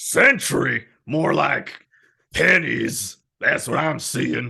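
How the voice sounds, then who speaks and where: A man talks very slowly in a put-on character voice. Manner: scolding, insulting.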